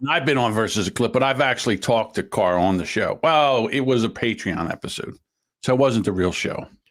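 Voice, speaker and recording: With an ordinary speaking voice, a man of medium pitch talks at a fairly quick pace using lively intonation. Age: 60s. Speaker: podcast host. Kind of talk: casual chat.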